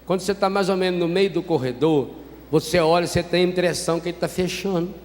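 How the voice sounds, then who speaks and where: A Brazilian Catholic priest preaching a sermon, telling a story with humor and asking the congregation questions. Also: male voice, sits high, steady tone, fast talker, darkish tone. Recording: reverberant hall with faint noise.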